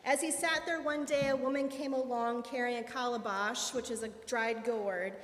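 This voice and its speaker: A woman's voice: a little high, moderate pace. A woman telling a children's story during a church service, speaking into a microphone. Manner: animated storyteller. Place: church sanctuary. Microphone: amplified microphone. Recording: echoey hall.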